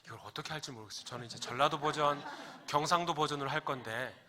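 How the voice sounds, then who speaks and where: A man's voice: a little high, quick pace, a crowd in the background. A man preaching a Sunday sermon as pastor in a church sanctuary, talking conversationally, asking the congregation questions and joking with them.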